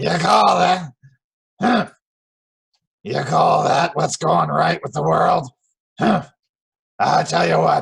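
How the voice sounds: Using a put-on character voice, a man speaks very slowly, his tone raspy and his pitch fairly high.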